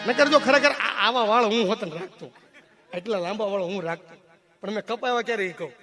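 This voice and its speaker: A young male comedian telling folk jokes with lively storytelling. His voice sits high and rings brightly. Faint music plays behind him. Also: a little fast. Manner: lively storytelling, jumping between character voices. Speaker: comedian and mimic.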